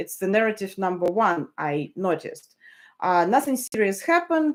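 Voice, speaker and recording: A woman with a Russian accent and very wide pitch swings. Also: very clean recording, silent background. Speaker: journalist and analyst. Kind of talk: livestream commentary. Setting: livestream from home. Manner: halting, many fillers.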